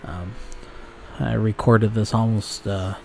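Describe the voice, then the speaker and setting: Slow, rambling young man commentating gameplay. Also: on the low side, steady tone, creaky, warm tone, a little hiss or hum. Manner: rambling with frequent fillers and profanity. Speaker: gaming channel host.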